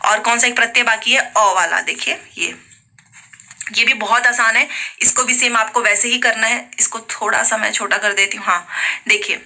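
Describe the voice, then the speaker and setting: A woman's voice: a little high, fairly even intonation, normal speed, sharp tone. A woman teaching a grammar lesson in speech, patiently repeating examples aloud for her students.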